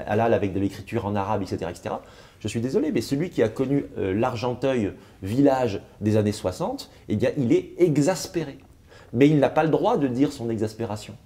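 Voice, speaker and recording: A man of Algerian descent, speaking in a panel discussion in a measured way, with frequent hesitations and repeated words. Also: mid-range voice, dark tone. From France, of Algerian descent. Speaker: panel guest.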